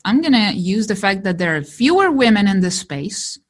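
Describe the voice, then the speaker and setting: A woman's voice: medium pitch, moderate pace. Laughing Chilean woman telling stories. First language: Spanish. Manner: animated storytelling, laughs often. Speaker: guest, digital marketer. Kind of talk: conversational interview.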